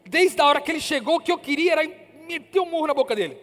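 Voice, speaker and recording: Remorseful young Brazilian churchgoer, pleading and earnest, higher and louder, as a preacher puts him on, hall reverb. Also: male voice, expressive, rapid-fire. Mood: earnest confession. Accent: Brazilian Portuguese. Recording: reverberant hall, faint music.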